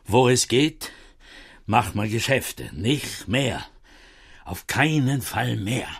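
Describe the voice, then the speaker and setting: A man's voice: mid-range voice, animated, slow pace, creaky, slightly rough, heavily acted. An actor playing a distrustful older Jewish father in a radio drama, speaking tersely in Yiddish-inflected German. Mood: wary.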